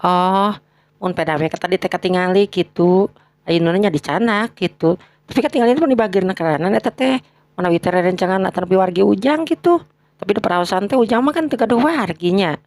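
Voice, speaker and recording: She is a chatty village shopkeeper in her middle years, acted out for an audio story, with a Sundanese accent. Her voice sits at an ordinary female pitch and prods with curious questions, recorded very dry. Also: brisk, a little mellow, no echo, close to an everyday voice. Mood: curious, gossipy.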